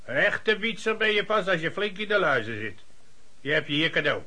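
An actor playing a coarse, belligerent, boozing lodging-house keeper in a radio drama, mocking and threatening. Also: male voice, high voice, very animated, a little fast, sharp tone, full character voice.

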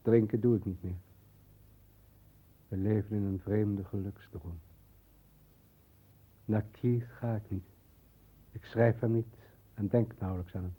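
A man's voice: lowish voice, fairly even intonation, a little slow, pauses often, mellow, slightly rough, poor audio. A man acting a broken, guilt-ridden, dreamy down-and-out brother in a 1960s radio play, subdued and brooding. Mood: dreamy, feverish. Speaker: actor in a radio drama.

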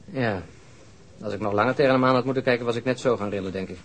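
An actor playing a tired, irritable police detective in a radio drama, terse and full of disgust. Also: male voice, mid-range voice, fast, natural voice. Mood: weary, disgusted. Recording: noisy old radio drama recording.

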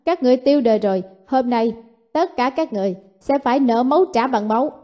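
A woman voicing a vengeful male sect master who snarls loud, sneering threats. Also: fairly high pitch, animated, fast talker, lightly acted.

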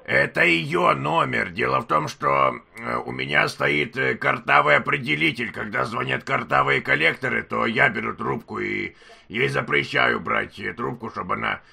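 A man in casual phone banter, deadpan and mocking, stalling and repeating his words as he goes. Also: mid-range voice, normal speed, vocal fry, slightly rough. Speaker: prank-style answerer of collection calls.

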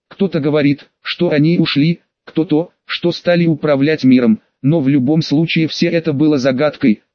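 A man's voice: a little high, dry recording. Guy reading a first-person audiobook, kinda wry, muffled lo-fi sound. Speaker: audiobook narrator. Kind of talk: first-person fiction narration. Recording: dull lo-fi dry recording.

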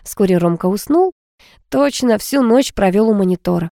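A woman narrating a first-person story aloud, lively and teasing, with expressive dialogue. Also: mid-range voice, moderate pace, creaky, no room sound, clean studio sound. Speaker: audiobook narrator.

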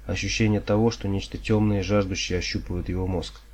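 A man reading an audiobook in a steady, measured storytelling manner. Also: low-pitched. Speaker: audiobook reader. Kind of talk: audiobook narration.

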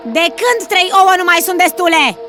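Cranky goose owner, cartoon, high piercing voice, big swings in pitch, snappy and complaining. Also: female voice, sing-song, pushed and bright, exaggerated voice. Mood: grumbling. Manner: complaining, quick to snap. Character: grumpy, shrill woman who owns a goose. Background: background music.

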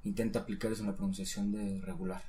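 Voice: low-pitched, level tone, fast talker, mellow. A patient, encouraging teacher giving a one-on-one English lesson, modeling pronunciation and explaining in Spanish.

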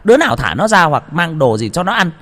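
A man's voice: high voice, big pitch swings, normal speed, in a large hall, voice pushed up. A man voicing a spoiled, cruel young mistress who screeches, curses and whines. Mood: commanding. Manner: screeching, cursing, whiny.

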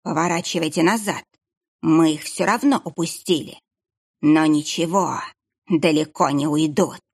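A woman voicing a cruel, sinister monk who hisses his words slowly. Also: low-pitched, darkish tone, slightly rough, heavily acted. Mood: cold command. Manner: hissing, slow and drawn out. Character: sinister hooded male monk, menacing and cruel.

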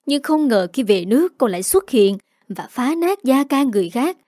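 A woman voicing a stern, furious middle-aged mother who scolds her daughter in sharp rebukes. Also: a little high, brisk, dry recording, clean studio sound, natural voice. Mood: scolding.

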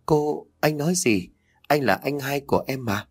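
A man's voice: moderate pace, slightly rough. A man voicing a timid, frightened young village woman who pleads with her family. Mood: distraught. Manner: anxious, pleading, high-pitched.

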